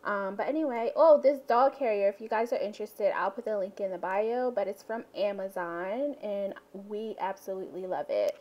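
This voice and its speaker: A woman's voice: mid-range voice, moderate pace, hardly any pauses, darkish tone. A young woman and mother chatting casually in a home vlog, rambling with lots of ums. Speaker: vlogger, mother. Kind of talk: casual family vlog chat. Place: home living room.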